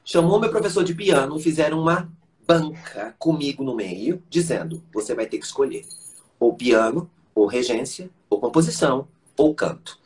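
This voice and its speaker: A man who works as a voice teacher and conductor is the interview guest on a live stream, spinning stories at a moderate pace in a medium-pitched voice. He brings the tales to life by performing the voices of whoever he's quoting.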